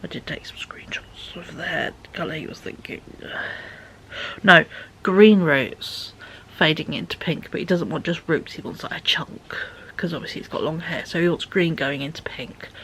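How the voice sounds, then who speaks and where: In this chatty vlog monologue, a woman talks at a moderate pace from home into a phone at arm's length. Her voice sits low but has a fairly bright tone; she rambles, leans on fillers, dips into whispers, and comes across as tired.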